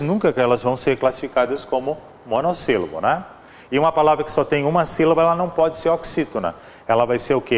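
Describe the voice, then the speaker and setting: A man's voice: fairly high pitch, in a large hall. A man with a Brazilian Portuguese accent teaching an exam-prep grammar lesson, walking through examples and often checking in with "né?". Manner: explanatory, repeats examples, frequent "né?" and "ó".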